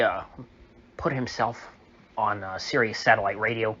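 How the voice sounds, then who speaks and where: A man who is ill, voice a little off, giving a halting, opinionated political commentary monologue full of fillers, recorded in a room. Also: lowish voice, sharp tone, lo-fi sound. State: sick, slightly off voice. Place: indoor room.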